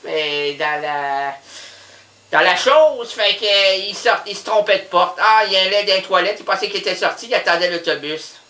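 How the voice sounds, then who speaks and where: A rambling, scatterbrained older housewife with a Quebec French accent, as a man puts her on for a radio sketch. Her voice is high, bright and sharp, and it rings in a roomy studio. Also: normal speed. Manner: rambling, scatterbrained, prone to sudden shouts. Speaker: comic character caller. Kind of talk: improvised radio comedy sketch.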